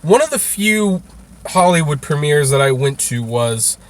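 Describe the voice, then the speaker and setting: A man's voice: a little high, lively intonation, a little slow. A man being interviewed as a guest, telling stories casually in a blunt, wryly joking manner. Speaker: interview guest, film critic and author. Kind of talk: casual conversational storytelling.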